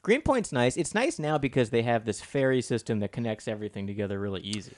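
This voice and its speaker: A man's voice: mid-range voice, expressive, fast, dry recording, clean studio sound. A man chatting casually and teasingly, often hesitant and stammering into restarts as he talks.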